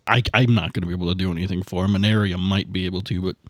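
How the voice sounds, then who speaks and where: A man with a slightly low voice talks casually as a player in a tabletop game. He is halting and often repeats words. The sound is dry and close. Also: fairly even intonation, no room sound.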